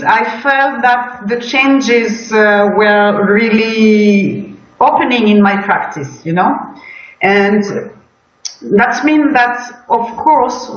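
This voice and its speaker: A woman with a French accent talks slowly, searching for her words with lots of little "uh"s. Her voice sounds roomy and a bit dull, with a faint hiss behind it. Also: fairly high pitch. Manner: hesitant, many uh fillers, slow searching phrasing. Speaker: healing practitioner. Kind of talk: casual conversation.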